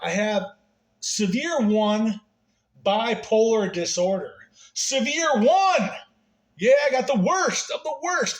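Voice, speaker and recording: A man with an American accent speaks at a fairly slow pace in a high voice, his pitch swinging very widely. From Minnesota, St. Cloud. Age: 30s. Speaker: vlogger. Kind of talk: casual monologue. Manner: halting.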